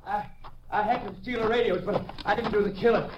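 An actor playing a cornered, panicky hijacker pleading innocence in a 1950s radio western, on a noisy vintage recording. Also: male voice, high voice, steady tone, a little fast, highs cut off, natural voice. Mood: panicked, pleading.

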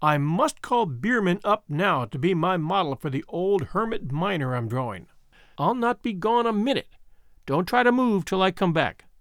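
A man's voice: sits high, expressive, normal speed, no room sound, studio quality. Man voicing a caring, firm young woman. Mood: coaxing, caring.

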